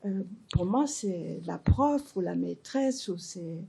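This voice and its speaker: An older woman in the audience speaks up at a talk. Her voice is gravelly and husky, with a dark tone. She pauses often and chooses her words carefully. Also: fairly low pitch, animated. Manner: thoughtful, measured, with pauses. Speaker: audience member.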